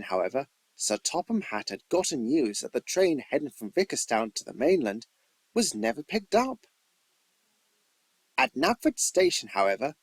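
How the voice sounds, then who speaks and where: Amateur guy narrating a kids story, really animated, bit husky, dry close sound. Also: a little high, dry recording.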